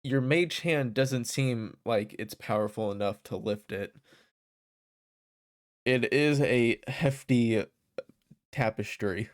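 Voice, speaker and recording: A man narrating a tabletop game as game master in a calm, matter-of-fact way. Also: mid-range voice, slow, long pauses, no echo, studio quality. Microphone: headset or desk mic, online session.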